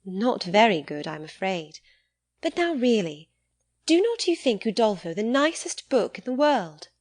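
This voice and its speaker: A woman's voice: medium pitch, sing-song, unhurried, dry recording, studio quality. A woman voicing a candid, naive teenage girl in an audiobook, speaking in an eager and artless manner. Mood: earnest.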